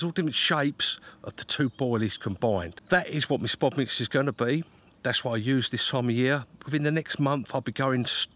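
A man's voice: medium pitch, fairly bright tone. A middle-aged man chatting casually in an outdoor fishing vlog, filmed on a close handheld camera beside a lake. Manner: chatty, repeats "look" often, coos at his dog. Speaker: fishing vlogger. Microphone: handheld camera close to face.

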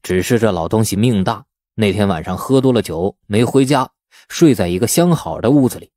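A male narrator plays a knowing village man in an audiobook. He explains in a guarded, insinuating way, with lively pitch movement and a dry, close sound. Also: a little fast, dry recording, natural voice.

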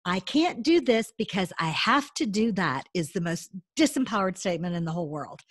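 A woman's voice: medium pitch, expressive, moderate pace, dry recording, studio quality. A middle-aged woman from the southern United States hosting a video-call interview, talkative and enthusiastic. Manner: enthusiastic, talkative, fillers like you know. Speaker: host. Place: home room indoors. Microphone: video call webcam.

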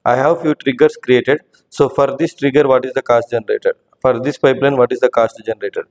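A man hosting a screen-recorded software tutorial, explaining step by step and often checking in with "right?". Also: medium pitch, steady tone, a little fast, big-room sound, rough recording. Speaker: tutorial host. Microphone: voice-over on screen recording.

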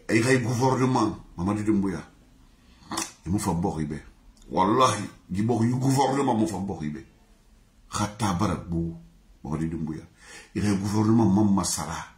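A man singing in a repetitive, chanted, sing-song way. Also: fairly low pitch. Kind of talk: chanted song in mixed languages. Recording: echoey room.

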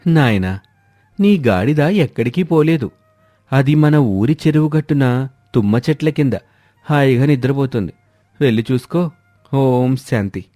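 A man's voice: mid-range voice, lively intonation, a little slow, pauses often, warm tone, dry recording, lightly acted. A man playing a scheming idler husband who poses as a holy swami in a moral story, talking in a grandiose, persuasive, preachy way. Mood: pompous, serene. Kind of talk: acted Telugu moral story dialogue. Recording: music behind a dry voice.

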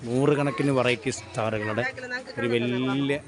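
A man's voice: mid-range voice, steady tone, normal speed. A man with a Kerala accent gives casual, enthusiastic, repetitive walking vlog commentary, mixing English words into Malayalam. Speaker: vlogger. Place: crowded street market. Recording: busy outdoor market crowd noise.

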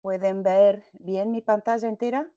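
A middle-aged Argentine woman with a slight Portuguese-tinged accent gives a webinar lecture in a measured, hesitant way, speaking from a home office over a headset. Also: medium pitch, steady tone, dark tone, no echo. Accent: Argentine Spanish with some Portuguese mixing. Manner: measured, many hesitations and restarts. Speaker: invited lecturer. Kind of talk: webinar presentation. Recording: dry, dull video-call audio.

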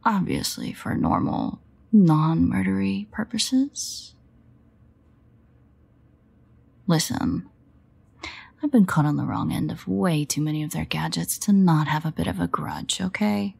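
Woman doing a sardonic vampire lady for audio roleplay, raspy n full of fry, awkward and dry-witted but fond underneath. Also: fairly low pitch, sing-song, a little slow, darkish tone, full character voice. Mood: wry, grudging. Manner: wry, hesitant, sweary. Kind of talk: intimate audio roleplay monologue.

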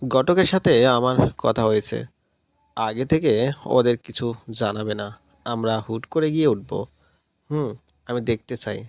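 A man's voice: medium pitch, a little slow, long pauses, no room sound, clean studio sound, close to an everyday voice. A man voicing a stern, bossy older father who owns the house and speaks in a commanding, irritated way. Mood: businesslike.

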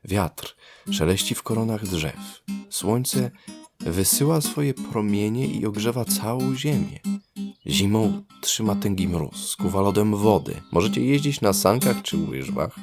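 A man voicing a gentle young male water elf, courteous and lyrical, in a storybook audio tale. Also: lowish voice, animated, unhurried, music in the background, voice pushed up. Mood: wistful, admiring.

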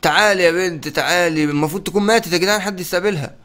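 Fast-talking Egyptian man gaming. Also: sits high. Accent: Egyptian Arabic. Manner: excitable, urgent, calls out to viewers. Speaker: gaming channel host. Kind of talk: let's-play commentary.

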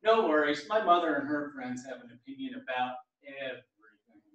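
A man's voice: medium pitch, lively intonation, normal speed, a bit bright, dull audio, natural voice. A man playing a witty, candid, friendly gay tennis instructor in a staged play reading. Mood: wry, friendly. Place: small theatre stage, indoors. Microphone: far camera. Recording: very echoey theatre, distant microphone.

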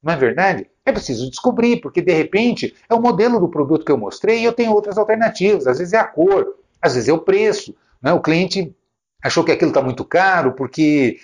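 A man's voice: sits high, animated, fairly quick. A man hosting a retail sales lesson, talking conversationally and asking many rhetorical questions. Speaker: retail sales trainer, channel host.

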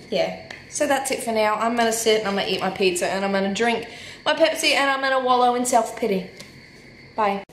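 A young woman in her twenties with a nasal voice, chatting casually and joking at her own expense while unboxing small figures for her book vlog at home. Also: fairly high pitch. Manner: chatty and self-mocking, bubbly over small finds. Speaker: book vlogger. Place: home living room and bedroom, indoors. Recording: echoey room with faint background hiss.

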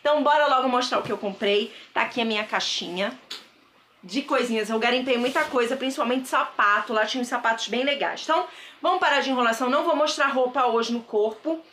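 A thrift vlogger in her thirties with a Brazilian Portuguese accent chats enthusiastically through a casual haul, her voice a little high, fast, and a bit bright. She's on a close camera mic in a bedroom with a wardrobe, and there's a little hiss or hum.

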